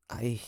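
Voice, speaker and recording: A man playing an earnest, tender young demon hunter in love, speaking softly and haltingly in an intimate romantic audio drama. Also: no room sound. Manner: hesitant, halting, soft-spoken with sighs.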